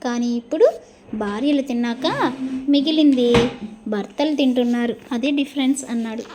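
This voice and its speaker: A woman's voice: fairly high pitch, normal speed, noisy background, lightly acted. A woman doing a teasing joke husband. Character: grumbling husband, middle-aged, teasing.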